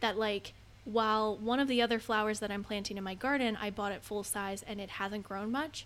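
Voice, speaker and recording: At a moderate pace and a fairly high pitch, a woman talks in a plain, everyday voice. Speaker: podcast host, creative business owner. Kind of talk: casual chat.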